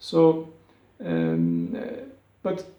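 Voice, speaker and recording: The speaker has a Turkish accent. Audible room echo can be heard. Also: man. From Turkey. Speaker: instrument maker and law academic. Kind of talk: informal video tutorial. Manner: hesitant, many filler sounds.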